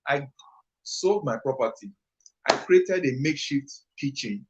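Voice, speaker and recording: A man's voice: mid-range voice, lively intonation, unhurried, background noise. Passionate Nigerian man on a lo-fi stream. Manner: passionate, emphatic, rambling storytelling. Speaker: entrepreneur and youth trainer, guest. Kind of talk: live-stream interview answer.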